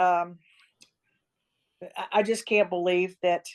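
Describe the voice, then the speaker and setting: A woman speaks at a medium pitch and a moderate pace. The sound is dry and close, with no echo. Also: quiet background. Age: 60s. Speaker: retired nurse, support group attendee. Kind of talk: personal testimony in Q&A. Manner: halting, many fillers and restarts.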